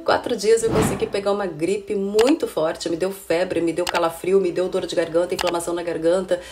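A woman in her thirties, hoarse and rough from a cold, hosts a casual informative vlog as an immigration consultant, chatting to viewers she calls "gente" and often adding "né?" and "viu?". Her lowish voice is steady and fairly quick, picked up by a close camera in an indoor room with window blinds, with background noise present.

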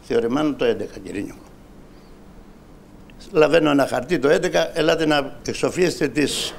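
A Greek man in his sixties, with a rather high voice, vocal fry, and a little hiss or hum on the recording, is an audience member on a talk show. He passionately airs his grievance, sounding aggrieved, and addresses the host and a minister directly.

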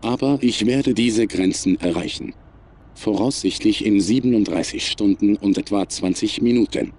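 A man playing a cold, superior, menacing artificial intelligence in a science fiction audio drama, speaking in a measured, formal, emotionless way. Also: fairly low pitch, darkish tone, close to an everyday voice. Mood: analytical, detached.

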